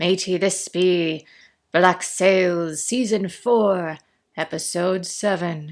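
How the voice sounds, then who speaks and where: In a very clean recording with a silent background, a woman uses a put-on character voice at a medium pitch and a very slow pace. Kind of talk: playful, mock-archaic.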